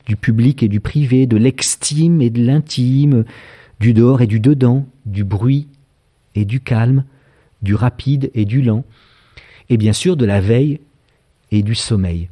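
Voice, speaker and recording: Lecturer, male, fifties, from France; warm, mellow voice, measured and hesitant delivery. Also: medium pitch. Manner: thoughtful, frequent hesitations with filler sounds. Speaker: philosophy lecturer. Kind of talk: public lecture.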